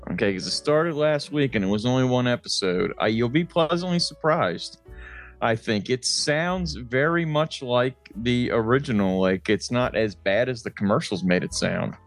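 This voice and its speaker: A man's voice: medium pitch, moderate pace, soft background music. A man co-hosting a podcast, chatting informally in a slangy way. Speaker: podcast host. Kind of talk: casual chat.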